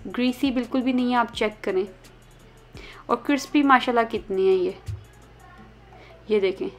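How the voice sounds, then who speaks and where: A woman hosting a cooking channel, talking viewers through a recipe in a chatty, explanatory voice-over. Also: a little high.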